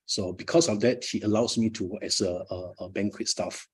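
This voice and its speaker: A man's voice: on the low side, steady tone, brisk, breathy edge. A middle-aged Malaysian man, a Malay native speaker, giving a live motivational talk at his book launch with frequent fillers and repeated words.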